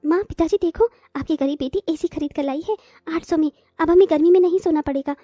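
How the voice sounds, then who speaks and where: A woman's voice: extremely high pitch, brisk, dark tone, dry recording, studio quality, faint music behind. A woman voicing a poor, clever village daughter in a cartoon, talking earnestly. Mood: worried. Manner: earnest, pleading. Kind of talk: cartoon voice acting.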